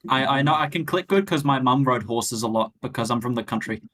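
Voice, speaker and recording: A man's voice: medium pitch, fairly quick, fairly bright tone. A man, chatting casually and telling anecdotes with a dry, wry humour.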